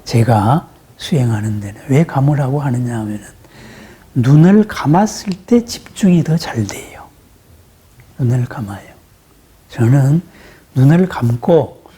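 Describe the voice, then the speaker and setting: Husky, mellow man teaching meditation. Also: medium pitch, lively intonation, unhurried. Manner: explanatory, often checks in with the listeners with short questions; conversational, uses rhetorical questions. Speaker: Buddhist teacher. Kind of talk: teaching sermon on meditation practice.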